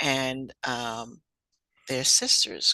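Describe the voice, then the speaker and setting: The recording has a dry, close sound with no echo and a quiet background. A woman speaks in a bright, sharp tone. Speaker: biology teacher. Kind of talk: online class lecture. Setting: video call. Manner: hesitant with many fillers.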